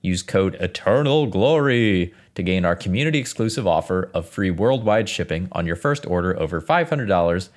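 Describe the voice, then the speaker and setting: A man co-hosting a podcast, reading ads and introducing topics with a brisk, lively delivery. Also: low-pitched. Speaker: podcast co-host. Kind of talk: casual podcast talk and ad reads.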